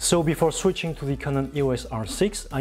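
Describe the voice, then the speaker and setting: A man speaks at a fairly quick pace with a French accent. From France. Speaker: tech YouTuber. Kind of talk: tech tutorial. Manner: some hesitation with fillers.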